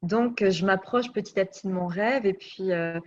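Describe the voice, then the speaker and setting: A woman's voice: medium pitch, normal speed, a little hiss or hum. A woman telling her life story as an interview guest. She speaks reflectively and searches for her words. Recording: dull lo-fi recording.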